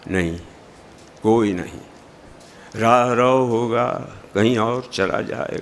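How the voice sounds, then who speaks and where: In an unremarkable speaking voice of medium pitch, a man talks with ordinary pitch variation and big swings in loudness. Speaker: actor, broadcaster and poetry reader. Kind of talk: poetry reading.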